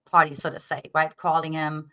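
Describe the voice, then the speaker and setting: A woman's voice: low voice, flat delivery, moderate pace, pushed and bright. A middle-aged woman with a German accent, a dating coach explaining her ideas earnestly in an interview and often checking in with "right?". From Eastern Germany.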